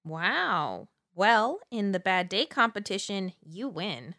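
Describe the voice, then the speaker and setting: A woman's voice: medium pitch, very animated, takes it slowly, gravelly, sharp tone, full character voice. A woman playing a curt, sardonic character having a bad day in an audio drama. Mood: flat, sardonic. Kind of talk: audio drama acting, casual dialogue.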